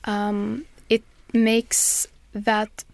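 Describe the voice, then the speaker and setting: Woman, 20s, from Lebanon, podcast guest; measured and reflective, gravelly, flat delivery, dry sound. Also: mid-range voice, no echo. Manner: measured, frequent fillers and pauses. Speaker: guest, master's student. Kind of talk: conversational interview.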